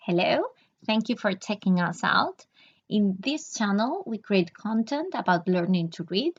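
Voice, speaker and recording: A woman in her thirties whose first language is Spanish, speaking at a mid pitch in a calm, explanatory way. She talks through a review like a channel host, and the recording sounds a little dull and lo-fi. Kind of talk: scripted review to camera.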